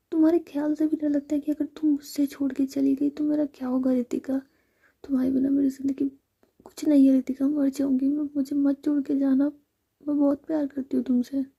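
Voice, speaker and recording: A woman's voice: high-pitched, flat delivery, a little fast, dark tone, voice pushed up. A woman voicing a sensitive, devoted young woman in whispered role-play, speaking with passion and pleading. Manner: impassioned and pleading.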